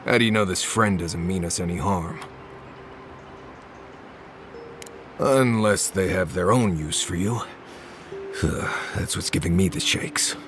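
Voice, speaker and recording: An actor playing a suspicious, blunt wilderness guide in a video game, with dry, sardonic grumbling. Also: male voice, sits low, moderate pace, noisy background, lightly acted. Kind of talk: naturalistic video game dialogue.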